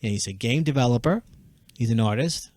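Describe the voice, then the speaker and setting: A man's voice: medium pitch, expressive, a little fast, a little mellow, no echo. A man hosting a podcast, chatting casually and asking rambling questions with lots of fillers. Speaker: podcast host. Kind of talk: casual interview chat.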